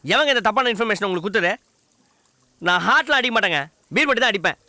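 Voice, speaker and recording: A man's voice: high voice, animated, fast talker, pushed and bright, no room sound, full character voice. A bashful, joking young man in a film comedy. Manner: playful, sing-song, coy. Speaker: lead comic character. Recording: film soundtrack with faint music.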